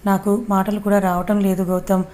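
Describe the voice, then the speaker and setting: A woman voicing a tearful, caring young aunt in a read-aloud family story, in a soft, emotional manner. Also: mid-range voice, little pitch movement, normal speed, lightly acted. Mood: tender.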